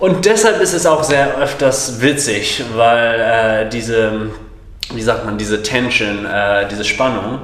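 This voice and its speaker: With an English accent, a man speaks at a medium pitch amid noticeable background noise and audible room echo. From South Africa. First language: English (speaking German). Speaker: actor and improv theatre trainer. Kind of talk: interview. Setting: studio, livestreamed on Facebook. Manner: halting, searching for German words.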